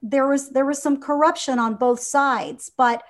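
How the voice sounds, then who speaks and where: A woman's voice: high-pitched, measured pace. A woman in her fifties from Venezuela, a guest in an interview, talking earnestly with many fillers and restarts. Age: 50s. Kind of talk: conversational interview.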